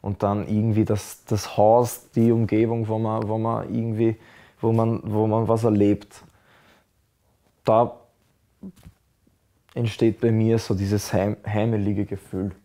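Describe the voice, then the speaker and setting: A young Austrian man from Burgenland talking casually and reflectively, halting as he searches for words. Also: on the low side, little pitch movement, mellow. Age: young adult. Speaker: interviewee.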